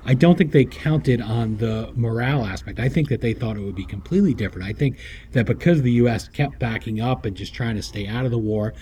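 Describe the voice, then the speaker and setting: A man's voice: mid-range voice, a little fast, a little hiss or hum. A man co-hosting a podcast in casual chat, telling stories with animation and acting out the quotes. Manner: animated storyteller who acts out quotes. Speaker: podcast co-host.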